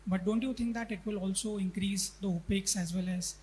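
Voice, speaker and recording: A man's voice: sits high, steady tone, brisk, darkish tone. A man with an Indian accent, an analyst politely putting questions on a conference call. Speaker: financial analyst asking questions. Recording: faint noise and hum on call.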